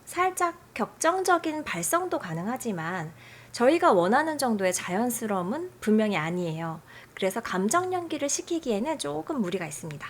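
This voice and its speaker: A woman hosting a software tutorial, explaining settings in a friendly, chatty way. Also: fairly high pitch, big pitch swings, brisk, hardly any pauses. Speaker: tutorial host.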